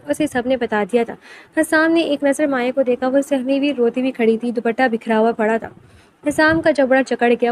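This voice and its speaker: A woman narrating a romantic audiobook novel in a dramatic, expressive reading. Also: high voice, low-quality recording.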